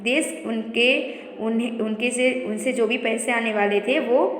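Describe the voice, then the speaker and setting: A woman's voice: on the high side, fairly even intonation, unhurried. A woman teacher going through a school revision lesson, explaining step by step and listing word pairs. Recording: echoey room reverb.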